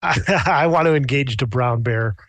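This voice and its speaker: A man's voice: medium pitch, moderate pace, a bit bright, no room sound. A man playing a tabletop game who stammers as he describes his moves. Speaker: player.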